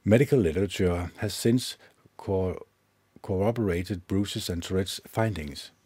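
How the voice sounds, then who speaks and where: A man hosting his own podcast, reading a self-help book aloud in a measured way, with occasional slips he corrects himself. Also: deep voice, warm tone, husky, dry recording. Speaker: podcast host. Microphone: own microphone with gain up and low cut filter.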